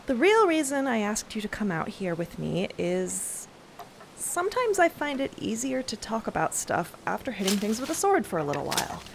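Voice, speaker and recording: A woman's voice: medium pitch, very animated, moderate pace, gravelly, a little hiss or hum, rough recording. A woman playing an exasperated, intense female space explorer in an audio drama, blunt and emphatic. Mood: frank, hesitant.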